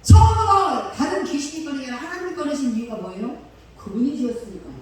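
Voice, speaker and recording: A woman pastor giving a chatty sermon, with laughing asides and slow scripture reading. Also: high-pitched, lively intonation, darkish tone, a little hiss or hum. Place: church sanctuary. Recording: echoey hall from far off.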